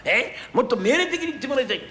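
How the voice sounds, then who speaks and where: A man's voice: very high voice, big pitch swings, fast talker, sharp tone, heavily acted. Man doing a brash, boastful fire-brigade chief. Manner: brash, swaggering. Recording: echoey TV hall with noise.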